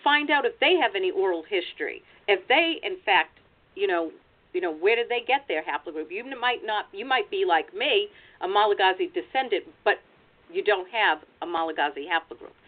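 Brisk and lively, a mid-range American woman's voice explains practical genealogy advice in a webinar run over video call. As a genealogy researcher from the United States, she comes across in thin, phone-like call sound.

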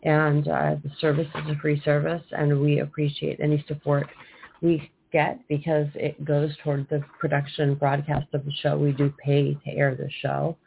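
A woman's voice: low voice, monotone, moderate pace, creaky. A woman co-hosting a casual call-in radio show, with a stuffed-up, nasal voice as if her nose is blocked. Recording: tinny phone-like line, faint hiss.

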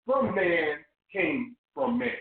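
A man calls in on speakerphone, and the line sounds thin and tinny, like a cheap phone. His voice bounces around an echoey room, sitting a bit higher than most men's. He talks in a halting way, circling back and repeating words as he explains his ideas. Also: very animated. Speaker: call-in guest. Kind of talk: casual spiritual discussion.

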